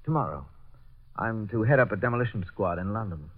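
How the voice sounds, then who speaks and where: An actor playing a haunted bomb-disposal captain who tells his story in a quiet, brooding way, in 1940s radio acting style. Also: fairly low pitch, lively intonation, fairly quick, over loud music, natural voice. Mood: earnest. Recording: lo-fi old radio recording.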